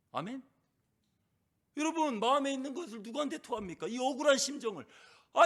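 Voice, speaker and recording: A middle-aged man preaching a sermon as pastor, impassioned, often putting questions to the congregation and swinging from loud crying out to hushed. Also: very high-pitched.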